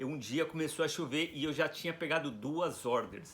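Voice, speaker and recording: Animated and at a moderate pace, a man speaks with a fairly high pitch. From Brazil. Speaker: YouTuber. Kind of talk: casual vlog monologue.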